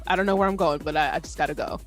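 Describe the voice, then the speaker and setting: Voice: mid-range voice, racing. A person co-judging music on a stream, chatting casually and thinking aloud in a conversational way. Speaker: co-judge of music challenge entries. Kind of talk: casual chat and commentary.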